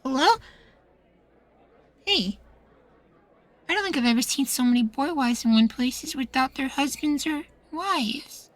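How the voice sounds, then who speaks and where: Man voicing a high, anxious young boywife. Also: expressive, measured pace, pauses often, a bit bright, heavily acted. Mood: bewildered, timid. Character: young submissive boywife, anxious, loyal, defensive. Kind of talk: roleplay ASMR acting.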